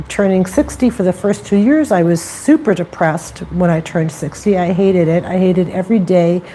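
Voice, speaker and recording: Noticeable background noise accompanies a woman with a medium pitch and ordinary pitch variation. She talks at a fairly quick pace, her loudness very even. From Canada (Sudbury, Ontario). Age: 60s. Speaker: YouTuber on aging. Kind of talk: casual livestream chat.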